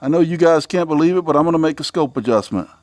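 Higher-voiced American man, folksy range host. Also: animated, fast talker, a little mellow, no room sound. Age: middle-aged. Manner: folksy, exclamatory, addresses viewers as folks. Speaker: host of a shooting range video channel. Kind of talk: casual commentary to viewers while target shooting. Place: outdoors at a covered shooting range.

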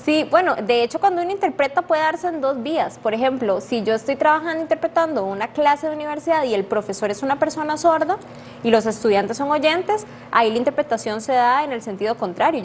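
A young woman with a Costa Rican accent, a sign language interpreter, explaining things clearly as a guest in a studio interview. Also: high voice, animated, fairly quick, slight background noise. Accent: Costa Rican Spanish. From Costa Rica. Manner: clear, explanatory, laughs easily. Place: dark studio set with armchairs. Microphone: lapel mic.

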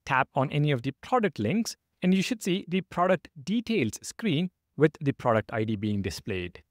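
A man narrating a scripted programming tutorial as an instructor, explaining clearly step by step. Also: fairly high pitch, sing-song, moderate pace, no echo, clean studio sound.

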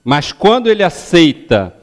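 A spiritist-center lecturer, an older man, stands in a lecture hall gesturing through a public religious talk. His voice is on the high side, very animated, and a little slow; he teaches step by step, ending phrases with questions to make sure the audience keeps up.

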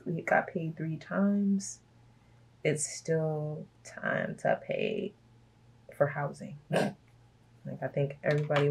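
A woman from Brooklyn, hoarse from a cold, chatting casually and laughing often as she talks through her budget. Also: sits low, darkish tone, low-quality recording. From Brooklyn, New York. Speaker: budgeting vlogger. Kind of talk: casual chat while stuffing cash envelopes.

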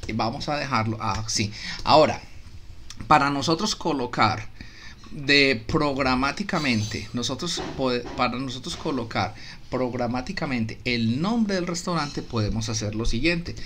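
A man's voice: mid-range voice, expressive, a little slow, a bit bright, a little hiss or hum. A man with a Colombian Spanish accent teaching a coding lesson over a screen recording, explaining step by step and often repeating and correcting himself. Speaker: programming instructor. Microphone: desktop mic, voice-over on screen capture.

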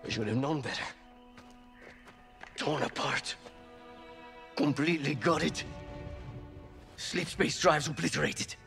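A man's voice: on the high side, takes it slowly, vocal fry, pauses often, a bit bright, faint music behind, full character voice. An actor in his thirties playing a frightened, self-loathing pilot in a video game, speaking with anguished, bitter emotion. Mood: bitter dismay. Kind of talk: dramatic video game cutscene acting.

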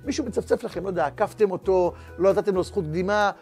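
Male rabbi, sermon, emphatic, repetitive, addresses listeners, high voice, faint music behind. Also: a little mellow. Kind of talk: sermon with a parable.

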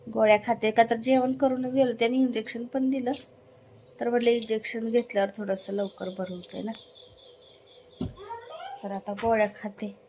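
A woman from Maharashtra, India, with a fairly high voice, chatting easily through her daily chores at home. She explains everything as she goes and scatters small fillers through her sentences. A faint hiss of noise sits under her voice. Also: creaky, dark tone. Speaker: home vlogger. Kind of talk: casual vlog narration. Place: at home, in her kitchen and yard.

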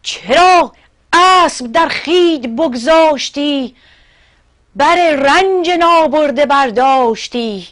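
Brief: indignant male field guard from an epic tale, loud and raised, put on by a woman storyteller. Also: sits high, lively intonation, pitched above the performer's own voice. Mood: angry scolding. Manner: indignant, shouting in verse. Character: angry complaining male field guard, middle-aged.

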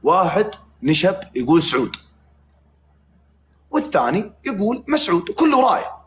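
A man's voice: high voice, sing-song, moderate pace, fairly bright tone, slight background noise. A man with a Saudi accent hosting a livestream, chatting casually with joking, mock-threatening banter. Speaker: livestream host.

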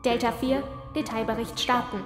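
A woman acts as a female coordinating machine in a sci-fi radio play. It gives terse, formal commands in a highish voice. There is strong reverb and loud music. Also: steady tone, normal speed, natural voice. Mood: terse, commanding. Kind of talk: science fiction radio play acting.

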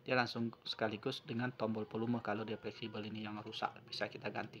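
Seated at a wooden table indoors, a phone repair tutorial presenter narrates an unscripted hands-on fix. His voice is lowish, level, and a bit bright, and he talks fast as he explains each step, frequently going over the same points again. A slight hiss or hum sits under the recording.

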